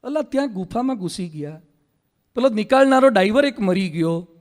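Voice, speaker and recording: A man preaching a religious discourse in a Gujarati accent, animated and teasing, repeating words for emphasis. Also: high voice, moderate pace. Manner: animated, mocks people in quoted voices, repeats for emphasis. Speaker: Hindu monk preacher.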